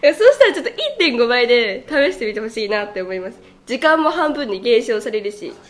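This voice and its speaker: Over noticeable background noise, a woman with a high pitch talks at a fairly quick pace, her loudness swinging widely. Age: young. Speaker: idol singer and radio personality. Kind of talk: casual solo radio talk; scripted show intro. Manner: halting; laughs often.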